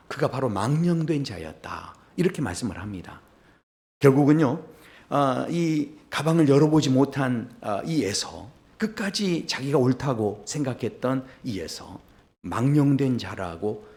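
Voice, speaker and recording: A male pastor delivering a Sunday sermon, telling a story and answering his own rhetorical questions. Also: darkish tone. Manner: storytelling, acts out quoted lines with sudden pitch jumps.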